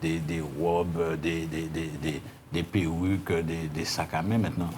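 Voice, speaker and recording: Deep-voiced Martinican man, halting delivery. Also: flat delivery. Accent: Martinican French. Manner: hesitant, repeats words while explaining. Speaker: interview guest, union leader. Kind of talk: spontaneous interview answers. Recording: clear background noise.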